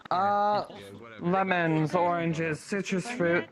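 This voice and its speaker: A woman's voice: lowish voice, steady tone, slow. A woman playing a casual, joking young woman in improvised roleplay, talking in an offhand, hesitant way. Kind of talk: improvised in-character virtual reality roleplay chat. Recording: chattering voices behind, online voice chat.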